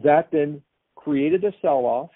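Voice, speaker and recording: A man's voice: fairly high pitch, takes it slowly, breathy edge, no echo. A man giving unscripted financial commentary as an analyst, with opinionated, emphatic phrasing. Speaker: market commentator. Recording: thin phone-like line.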